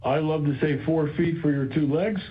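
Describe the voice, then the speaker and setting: A man speaking as a company executive on an earnings call, explaining in a halting way and repeating phrases for emphasis. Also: a little high. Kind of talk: earnings call remarks, semi-prepared explanation. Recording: dull, band-limited conference call audio.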